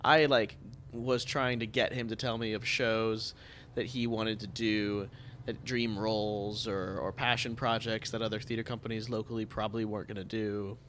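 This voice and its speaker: Man, halting casual podcast host. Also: lowish voice, little pitch movement, a bit bright, slight background noise. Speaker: podcast host, theatre producer. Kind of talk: casual chat.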